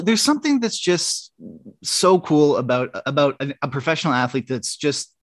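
A guest sports writer chats enthusiastically in a casual sports conversation, restarting and stammering often. His voice is medium in pitch, and the clean studio recording has no room sound.

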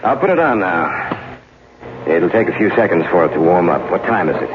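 A man's voice: low voice, very animated, moderate pace. A man playing an earnest, confident research scientist in a 1950s radio drama, with an emphatic manner. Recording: tinny, very noisy old radio recording.

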